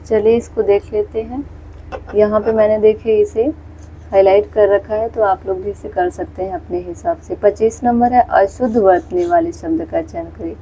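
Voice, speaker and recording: A woman's voice: medium pitch, fairly even intonation, moderate pace, mellow, a little hiss or hum, rough recording. A woman teaching a Hindi exam-prep lesson, patiently going through questions, repeating words and pointing viewers to the screen. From India.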